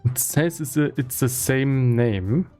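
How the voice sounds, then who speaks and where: A man talking casually and explaining on a livestream, thinking aloud in a halting way, with as his language. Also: mid-range voice, warm tone, faint music behind. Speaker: game developer streaming live. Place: indoor room with foam acoustic padding.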